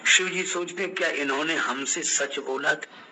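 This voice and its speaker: A man's voice: a little high, normal speed, sharp tone, a little hiss or hum, low-quality recording. An older man giving a devotional sermon, telling scripture stories, acting out quoted dialogue and breaking into chanted verse. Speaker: Ram Katha preacher.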